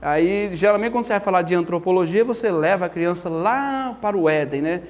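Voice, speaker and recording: High-voiced, animated male Bible teacher. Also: fairly quick. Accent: Brazilian Portuguese. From Brazil. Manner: animated storytelling, acts out quotes. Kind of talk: lively church teaching talk.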